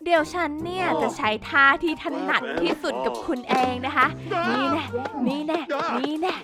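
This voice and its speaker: With background music behind her, a gaming YouTuber offers playful commentary at normal speed in a high-pitched voice. She theatrically scolds characters and talks to the people watching.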